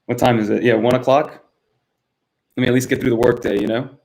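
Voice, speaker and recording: A man's voice: mid-range voice, level tone, a little fast, creaky, a little mellow, low-quality recording. Chatty young man live-streaming from home. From United States (Miami, Florida). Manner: chatty, rambling, answers chat by name. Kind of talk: casual live-stream chat reading viewer comments. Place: small cluttered home room. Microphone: built-in camera mic.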